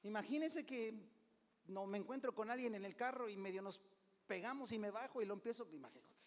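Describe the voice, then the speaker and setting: A middle-aged man preaching as a pastor, conversational, often calling "hermano", swinging between loud and hushed. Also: high-pitched, lively intonation, brisk. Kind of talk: sermon. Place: church sanctuary. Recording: long hall reverb.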